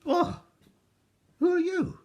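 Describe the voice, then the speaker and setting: A man voicing a huge, brusque giantess in a high, shrill squeal. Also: fairly even intonation, slow pace, darkish tone, lo-fi sound, slight background noise.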